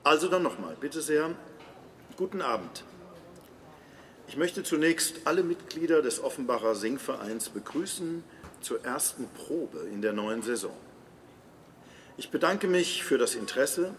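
A man's voice: mid-range voice, natural voice. A man playing a formal, ceremonious choir director who lectures his singers in a radio play. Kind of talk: radio play monologue as a rehearsal address. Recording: long hall reverb, background noise.

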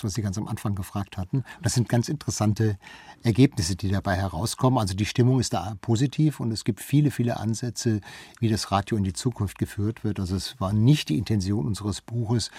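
A man speaking as an interview guest, explaining conversationally in a somewhat halting, enumerating way. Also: lowish voice, a little mellow, slightly rough, no echo. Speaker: book editor, interview guest.

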